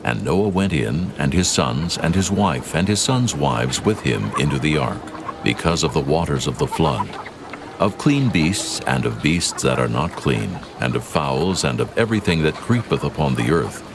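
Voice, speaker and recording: An extremely deep male voice with a gravelly creak narrates scripture. He is solemn and measured, with lively rises and falls, over clearly audible music. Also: background noise.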